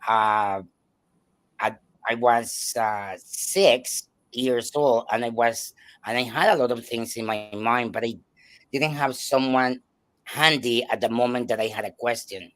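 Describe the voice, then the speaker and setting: A man from El Salvador with a Salvadoran Spanish accent, a native Spanish speaker, telling his life story as a guest with many pauses and restarts. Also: mid-range voice, fairly bright tone. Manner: hesitant, many fillers and restarts. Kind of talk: personal storytelling in a talk show.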